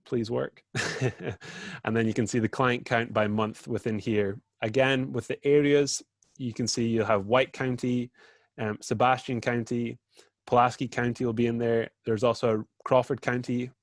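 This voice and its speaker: A man's voice: medium pitch, level tone, moderate pace, dry recording. A man with a British accent walks through a data dashboard while sharing his screen on a video call, informal and full of fillers. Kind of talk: screen-share presentation in a video meeting.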